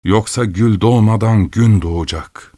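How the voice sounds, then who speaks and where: A rose tree from a read-aloud fairy tale, spoken by a male narrator in a deep, urgent voice. It stays close to the storyteller's own sound, low and imploring. The recording is dry and close. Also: a little slow, mellow, no room sound. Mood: pleading. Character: pleading old rose tree.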